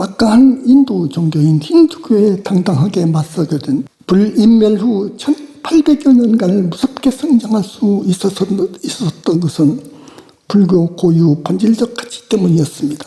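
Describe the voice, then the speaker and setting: Speaking at a very slow pace, a man uses a high pitch with very wide pitch swings. Noticeable background noise can be heard. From South Korea. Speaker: Buddhist monk giving a sermon. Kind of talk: Buddhist Dharma talk sermon.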